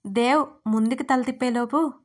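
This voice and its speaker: A woman narrating an audio story in a steady, expressive way. Her voice sits fairly high. The delivery is that of a storyteller reading to listeners. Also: moderate pace. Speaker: writer and narrator.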